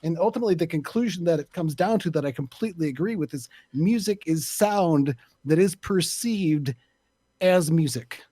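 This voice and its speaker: A man in a casual panel discussion, speaking in a halting, thoughtful and opinionated way. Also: fairly high pitch, animated, warm tone, slightly rough, no echo. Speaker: podcast panelist.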